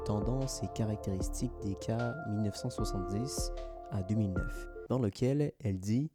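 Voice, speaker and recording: A man hosting and narrating a scripted online mystery video. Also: lowish voice. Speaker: YouTube host. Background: music under the voice.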